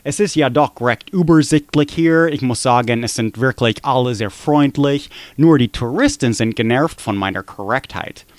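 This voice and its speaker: A man's voice: mid-range voice, moderate pace, few pauses, no echo, lightly acted. A man playing a stern, rule-proud security guard who gives his witness statement in a self-assured, officious way. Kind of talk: scripted witness monologue.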